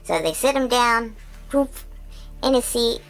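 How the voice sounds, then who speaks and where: A woman's voice: a little high, measured pace, faint music behind, rough recording. A woman doing a giggly baby-alien host. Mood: excited recap. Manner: giggly, bubbly, squeals with excitement. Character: excitable childlike male Baby Yoda creature. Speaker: recap host. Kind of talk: chatty episode recap.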